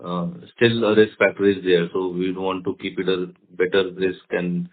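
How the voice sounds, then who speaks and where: Indian male executive, slightly deep voice, fielding investor questions on a narrow telephone connection. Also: flat delivery, normal speed. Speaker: company executive answering investors. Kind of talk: earnings call answers. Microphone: phone conference call. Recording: narrow muffled phone line.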